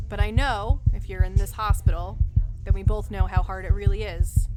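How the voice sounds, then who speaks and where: Radio play politician, played by a woman: courteous, reassuring, medium pitch, sincere delivery over prominent throbbing music. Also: fairly even intonation, a little slow, natural voice, poor audio. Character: gracious, reassuring female politician on the campaign trail. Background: loud throbbing music.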